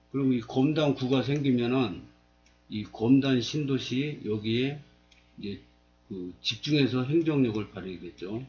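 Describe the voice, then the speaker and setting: A man in his fifties explains a map to his viewers in a plain, steady voice at a middle pitch. He often asks rhetorical questions and then answers them himself. The recording sounds slightly dull and lo-fi. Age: 50s. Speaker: video blogger. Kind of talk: explaining while pointing at a map.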